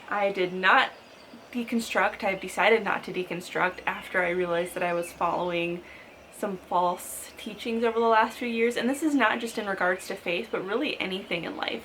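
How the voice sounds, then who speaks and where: A thirty-year-old woman sits down to chat with her viewers in a relaxed, friendly vlog. Her pitch sits in a middle range, and her talk is loose and full of "like." A faint hiss runs under her voice. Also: poor audio. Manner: chatty, frequent "like" fillers, upbeat with light laughs. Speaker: lifestyle vlogger. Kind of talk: casual sit-down talk to camera.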